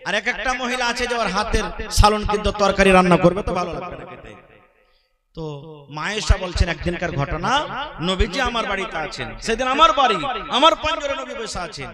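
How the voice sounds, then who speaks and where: High-voiced man preaching with sing-song flair. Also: lively intonation, fast talker, a crowd in the background. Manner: dramatic, sing-song, acts out quoted speech. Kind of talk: sermon storytelling.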